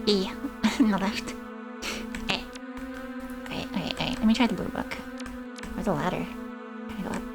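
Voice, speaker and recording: A woman's voice: mid-range voice, moderate pace, vocal fry, long pauses. Woman streamer over game music. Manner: reads in-game poems aloud, chats to chat. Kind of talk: casual gameplay commentary. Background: game music and insect sounds.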